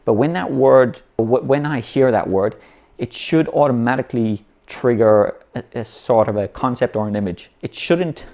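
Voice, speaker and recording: How should you learn vocabulary? A man with a mellow, medium-pitched voice explains it at a normal pace in an unscripted, easygoing way. He's a native English speaker who often restarts phrases and says "you know."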